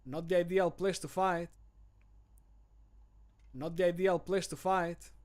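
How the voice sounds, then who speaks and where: A man voicing an excitable young male adventurer's short battle lines for a fantasy video game, emphatic and close to the microphone. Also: high-pitched, measured pace. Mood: wary. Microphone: close desk microphone.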